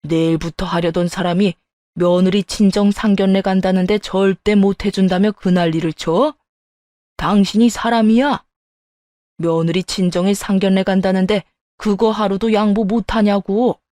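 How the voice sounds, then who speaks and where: A woman's voice: mid-range voice, fairly even intonation, normal speed, mellow, dry recording, lightly acted. A woman voicing a stern older father-in-law who scolds harshly, in a dry close recording. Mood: furious.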